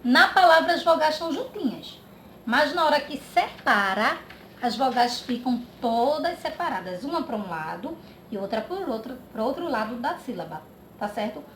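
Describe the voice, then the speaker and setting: A woman teacher from Brazil giving a slow grammar lesson for children, drawing out words and checking in often. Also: sits high, big pitch swings, fairly bright tone. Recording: echoey room with faint background noise.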